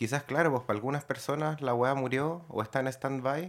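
A man's medium-pitched voice at a moderate pace, with ordinary pitch variation and a very clean recording over a silent background. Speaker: trap musician. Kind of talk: casual chat.

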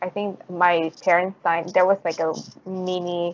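A woman with a Vietnamese accent, fairly low in pitch, monotone and flat, speaking at a fairly slow pace. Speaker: podcast co-host, student. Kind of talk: casual chat.

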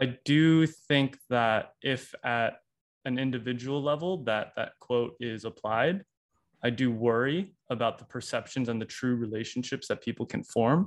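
Against a quiet background, a man speaks at a fairly slow pace in an ordinary speaking voice. His pitch is medium, with ordinary pitch variation. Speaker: podcast co-host. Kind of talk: casual chat.

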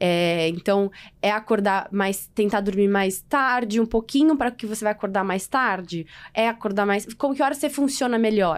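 A woman speaks at a moderate pace with fairly high pitch and ordinary pitch variation. The recording is very clean, with a silent background. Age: 20s. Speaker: wellness communicator and podcaster. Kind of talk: interview conversation. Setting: studio. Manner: talkative.

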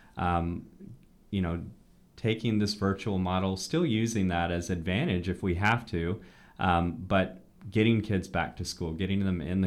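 A very deep, low male voice in a Texan accent, fairly even in intonation, on a very clean recording with a silent background. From Texas, Houston area (League City). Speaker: high school principal. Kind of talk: interview.

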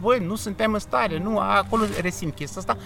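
A man talks in a raised, projected voice at a fairly quick pace with lively intonation. Noticeable background noise sits under him. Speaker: writer and screenwriter. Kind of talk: interview conversation. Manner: halting.

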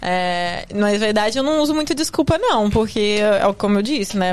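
Speaking at a fairly slow pace, a woman has an unremarkable speaking voice. Her pitch is medium. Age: 30s. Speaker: holistic therapist and yoga teacher. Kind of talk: casual interview.

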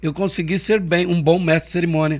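Here a man speaks with a high pitch and fairly even intonation. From southern Brazil, Paraná (Porecatu). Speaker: popular announcer and master of ceremonies. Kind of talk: casual interview chat. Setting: live-streamed podcast with chat.

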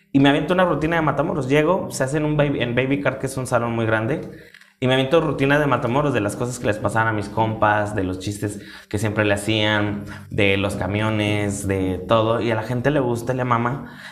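Audible room echo around a man at medium pitch, fairly quick, with ordinary pitch variation. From Mexico, La Laguna region. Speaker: clown, actor and stand-up comedian. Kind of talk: casual chat.

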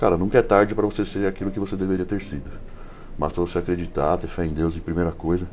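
Very deep and low, a man's voice moves at a very fast pace. His intonation stays fairly even. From São Paulo state, Brazil (Santo André). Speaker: bodybuilder. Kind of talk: casual chat.

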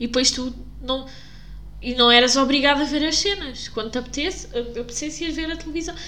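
Raised and projected, the voice moves at a fairly quick pace with ordinary pitch variation over noticeable background noise. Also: woman, high pitch for a woman. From Portugal, Cascais. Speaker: podcast co-host. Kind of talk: casual chat. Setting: rented apartment in Porto.

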